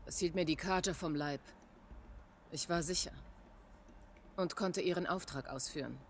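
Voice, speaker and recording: A woman's voice: low-pitched, normal speed, slight background noise. A woman playing a devout middle-aged tribal shaman in a video game, speaking in grave, formal, dramatic phrases. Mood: grave, reminiscing.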